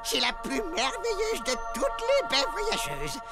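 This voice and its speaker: Excitable, courteous old cartoon character, swooping pitch. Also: female voice, measured pace, loud music behind the voice, exaggerated voice. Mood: awed, gushing. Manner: effusive, formal, old-fashioned exclamations. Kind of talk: animated children's cartoon dub.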